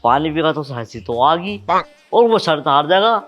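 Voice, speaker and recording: A man's voice: fairly high pitch, expressive, normal speed, fairly bright tone, soft background music. A young man playing a scheming village prankster in a comedy sketch, muttering smugly to himself. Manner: sly, muttering to himself, smug.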